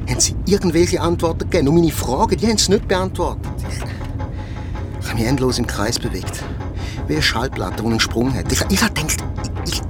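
A man playing a frantic young man. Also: on the high side. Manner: stammering, panicky outbursts. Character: young man, lost, frantic then worn out. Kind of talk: audio drama acting. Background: music.

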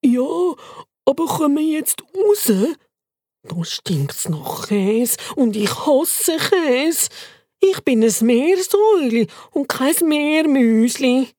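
A woman's voice: high voice, very animated, slow, dark tone, no echo, pitched above the performer's own voice, heavily acted. A woman with a Swiss German accent voicing a grumpy male guinea pig who drags his words out in a dry grumble. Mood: grumbling.

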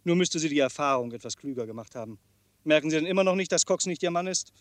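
A sardonic male noir detective, played by an actor in a crime drama. He talks fast in a slightly high voice, dry and close, needling with impatient sarcasm. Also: no room sound, close to an everyday voice. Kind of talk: German crime drama acting.

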